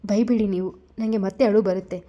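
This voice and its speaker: A woman's voice: medium pitch, fairly even intonation, brisk, dark tone, highs cut off, close to an everyday voice. A woman voicing a young woman who pleads through sobs and sometimes slips into baby talk, in a narrated romance story. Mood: pleading. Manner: sobbing, pleading, slipping into childish baby talk. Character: emotional young woman, tearful and playful.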